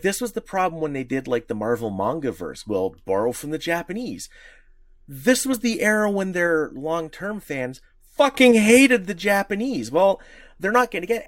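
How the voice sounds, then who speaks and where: A man co-hosting a podcast in casual chat, opinionated and animated, swearing freely. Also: sits high, normal speed, dry recording, clean studio sound. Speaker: podcast co-host.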